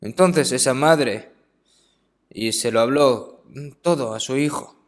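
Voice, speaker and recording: A man preaching a sermon in a conversational way, often adding short questioning tags, softening and slowing down when telling stories. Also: medium pitch.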